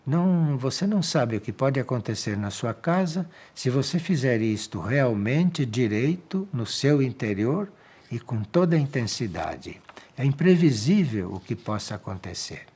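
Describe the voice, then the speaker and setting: Slow husky-voiced Brazilian spiritual teacher. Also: male voice, mid-range voice. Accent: Brazilian Portuguese. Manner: calm, measured, repeats key phrases for emphasis. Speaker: spiritual teacher giving a monthly talk. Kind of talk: slow reflective spiritual talk answering questions.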